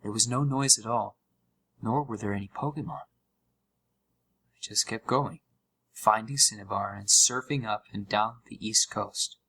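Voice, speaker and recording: A man's voice: fairly low pitch, a little slow, pauses often, pushed and bright, full character voice, poor audio. A young man playing an uneasy gamer who narrates a scripted horror story with dramatic, suspenseful delivery. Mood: puzzled, tense. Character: uneasy young male gamer recounting a haunted game.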